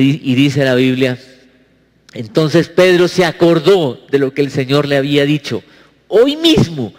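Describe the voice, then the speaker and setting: A male pastor preaching a sermon, asking his congregation questions, with sweeping swings in pitch. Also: darkish tone, big-room sound.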